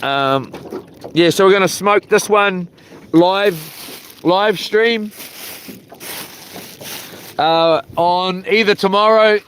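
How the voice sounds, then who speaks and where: A man's voice: high-pitched, slow pace, pauses often, fairly bright tone. A man with a broad New Zealand accent, chatting casually and rambling along as he hosts a fishing livestream from a boat. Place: outdoors on a small boat. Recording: clear outdoor boat and water noise.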